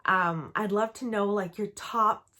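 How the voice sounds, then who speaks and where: A woman's voice: mid-range voice, steady tone, a little slow, pushed and bright. A young woman from Canada in a casual book-review vlog, chatty and enthusiastic, with lots of "um" and "like". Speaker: book vlogger.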